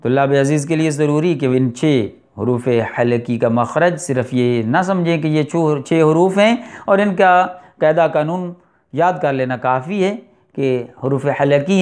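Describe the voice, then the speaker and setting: A middle-aged man teaching a recitation lesson, explaining and slowly drawing out letters and verses. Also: fairly high pitch, darkish tone. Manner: slow deliberate articulation of letters, drawn-out recitation. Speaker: tajweed teacher.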